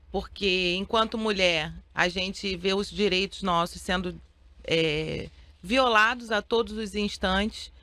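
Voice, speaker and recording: Brazilian woman guest talking earnestly, sharp bright voice, really dry sound. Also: medium pitch, no echo. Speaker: guest, lawyer and rights advocate. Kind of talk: earnest interview commentary.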